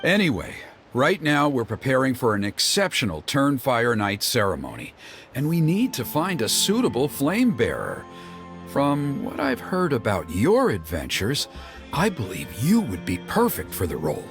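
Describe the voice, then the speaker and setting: An animated, exasperated tribal elder. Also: male voice, mid-range voice, moderate pace. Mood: earnest. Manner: expressive, grumbling, mimics others mockingly. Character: earnest, exasperated tribal elder man organizing a fire ceremony. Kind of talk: video game voice acting. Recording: loud background music over voice. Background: music.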